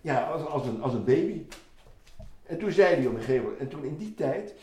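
A man in his eighties from the Netherlands, giving personal testimony, halting with frequent restarts and lively when retelling scenes. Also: on the high side, a little hiss or hum. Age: 80s. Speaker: interviewee.

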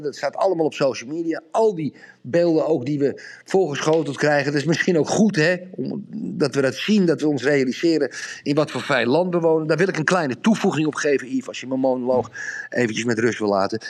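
A man telling a long, rambling story to his co-host, growing more emphatic as he goes. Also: on the high side. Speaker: podcast co-host. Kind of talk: casual monologue on a podcast.

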